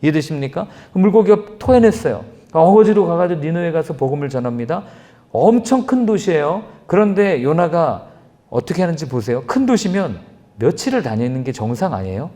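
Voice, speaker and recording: A man, a pastor giving an animated Bible lecture, acting out quoted lines in changing voices. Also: brisk. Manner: lively, acts out quoted lines with shifting pitch. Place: church.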